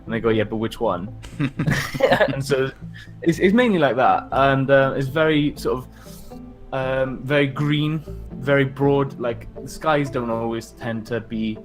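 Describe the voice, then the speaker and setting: A man's voice: mid-range voice, measured pace, faint music behind. A man from South Wales with a valleys accent, chatting casually as a podcast guest and often chuckling as he talks. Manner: chuckles often while talking. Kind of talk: casual chat.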